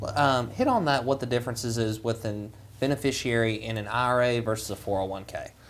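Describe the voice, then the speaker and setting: Fairly quick speech from a man in a Southern US accent, medium in pitch, with fairly even intonation. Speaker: co-host of a financial advice podcast. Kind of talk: casual chat.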